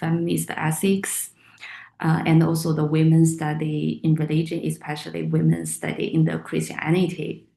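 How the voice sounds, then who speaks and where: Speaking in a Chinese accent, a woman has a very deep, low pitch. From China. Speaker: theology doctoral student. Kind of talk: interview. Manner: halting with fillers.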